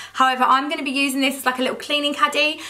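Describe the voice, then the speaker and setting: A raised, projected voice in a South East English accent, over noticeable background noise. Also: woman. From South East England. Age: 20s. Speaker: home and cleaning vlogger. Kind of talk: casual talk to camera.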